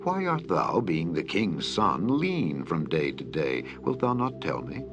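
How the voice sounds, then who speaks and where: A man's voice: a bass voice, sing-song, a little slow, full character voice. A man reading the lines of a crafty courtier, coaxing and questioning. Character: crafty male courtier giving advice.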